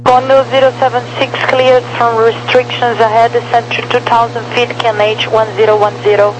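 A woman working as an air traffic controller, giving procedural flight clearances digit by digit over aviation radio. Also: a little high, level tone, moderate pace.

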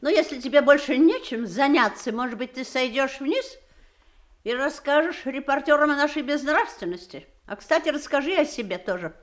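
A woman's voice: high-pitched, animated, normal speed. An actress playing a proud middle-aged wife and mother with a sardonic, controlled, pointed manner in a theatrical audio drama. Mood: icy sarcasm.

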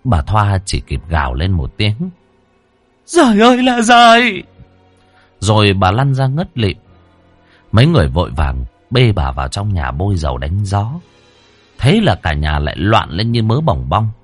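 A man narrating a ghost story in a dramatic, expressive reading. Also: deep voice, moderate pace, slightly rough, no room sound, faint music behind.

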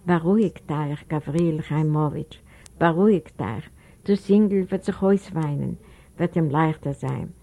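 A woman's voice: sits low, measured pace, gravelly, exaggerated voice. A woman reading a motherly old nanny. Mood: soothing. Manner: gentle, consoling.

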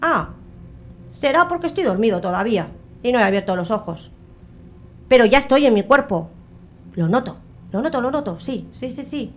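A woman's voice: a little high, expressive, normal speed, long pauses, slight background noise, natural voice. A woman voicing the ghost of a young husband who pleads desperately to be heard. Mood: relieved.

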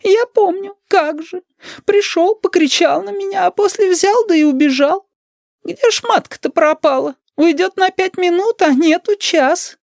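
A man reading a story and voicing a nosy, grumbling old grandmother in a high, drawling, sing-song voice. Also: measured pace, gravelly, darkish tone, dry recording, clean studio sound, exaggerated voice. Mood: querulous.

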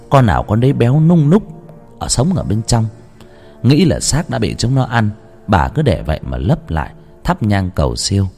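A man with a fairly low voice tells a ghost story, and his delivery swings widely, sinking into hushed murmurs and then leaping up. Soft music plays faintly behind him. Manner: expressive, swings from low hushed tones to sudden loud cries. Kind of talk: dramatic horror storytelling.

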